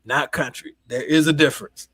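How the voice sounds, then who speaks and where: A man's voice: a little high, steady tone, moderate pace, fairly bright tone, dry recording. A man from the South, chatting casually as a podcast co-host. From Southern United States.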